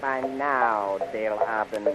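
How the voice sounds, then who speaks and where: An actor playing a cruel, imperious alien emperor in a 1930s radio serial, pompous, gloating and commanding. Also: male voice, on the low side, fairly even intonation, takes it slowly, over loud music. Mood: smug menace. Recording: muffled, noisy 1930s radio recording.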